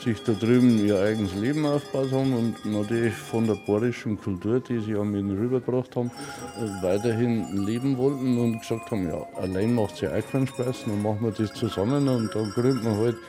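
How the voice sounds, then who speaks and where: A man's voice: lowish voice, brisk, music in the background. A man explaining something in an easygoing way as an interviewee. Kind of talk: casual interview talk.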